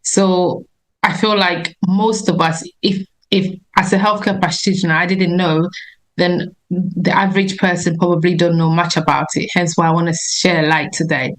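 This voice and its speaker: A woman's voice: lowish voice, level tone, moderate pace, poor audio. A woman nurse practitioner giving an informal health talk on a video call, earnest and explanatory, often restarting her sentences. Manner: earnest, explanatory, self-correcting.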